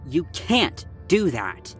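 Very low, rattled young driver. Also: female voice, very animated, slow, faint music behind, full character voice. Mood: anxious. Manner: hesitant, rattled. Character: anxious, shaken young driver. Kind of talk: audio drama acting.

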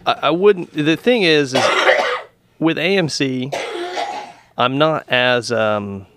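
A man's voice: mid-range voice, slow, very noisy. A man co-hosting a podcast, chatting casually and rambling with lots of restarts and fillers. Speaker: podcast co-host. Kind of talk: casual chat about stocks.

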